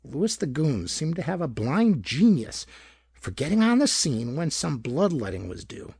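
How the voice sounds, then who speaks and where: A man narrates hardboiled crime fiction like an audiobook, his voice rough with fry and husk. His pitch swings expressively as he tells it dramatically. The sound is close and dry. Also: very animated, unhurried, a little mellow, no echo. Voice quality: gravelly, husky. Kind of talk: scripted narration of hardboiled pulp detective fiction.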